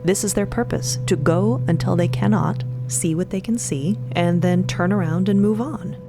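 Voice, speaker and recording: A woman's voice: on the low side, normal speed. A woman giving dramatic scripted narration for a fiction podcast. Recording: voice over prominent music. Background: music.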